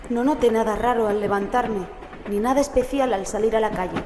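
A woman's voice: on the high side, a little fast, close to an everyday voice. A woman playing the uneasy narrator of a horror tale, reading in a dramatic first-person audiobook style. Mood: uneasy, measured. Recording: echoey, clear train ambience noise behind. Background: metro train ambience.

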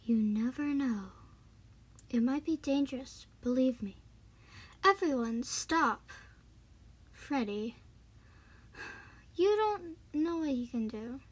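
A solemn animatronic puppet acted by a woman in a fan drama. The voice is high and husky, earnest and pleading, with a protective, measured delivery. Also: expressive, full character voice. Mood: cautioning. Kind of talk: amateur fan voice acting.

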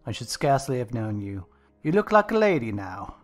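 A woman voicing a pompous, condescending gentleman, master of the house, in a dramatized audiobook. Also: rumbling low, sing-song, a little fast, soft background music, voice pushed down. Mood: admiring. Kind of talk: dramatized audiobook character reading.

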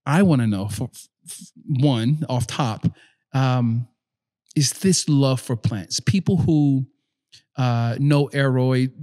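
A man's voice: medium pitch, slow, pauses often, warm tone. A man hosting a podcast, asking questions in a casual, friendly way and rephrasing what his guest says. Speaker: podcast host. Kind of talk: casual interview chat.

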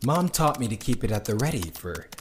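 An actor playing a bitter, hopeless man recording a diary in an audio drama, conversational, halting and cynical. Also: medium pitch, very animated, slight background noise, lightly acted. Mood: matter-of-fact.

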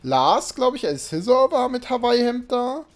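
A man's voice: very high-pitched, sing-song, unhurried. A young man live-streaming a game at home, chatting casually and rambling to his viewers, sometimes breaking into exasperated outbursts. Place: small room indoors. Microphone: desk mic, webcam in a home room. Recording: faint game music behind.

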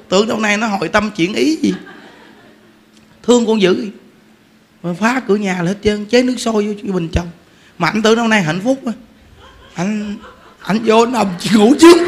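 A man with a Southern Vietnamese accent giving a humorous Buddhist sermon, telling a story with lively repetition and frequent laughter. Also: high-pitched, slight background noise. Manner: animated storytelling, repeats words, laughs often. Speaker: Buddhist preacher. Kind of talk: humorous dharma talk.

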